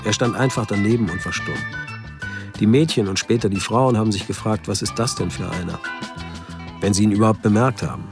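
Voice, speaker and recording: A low-voiced man played by an actor recalls an old friend in a radio drama. He is plain-spoken and conversational, like someone in a documentary interview. Music runs clearly behind his words. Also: fairly quick, natural voice. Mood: matter-of-fact.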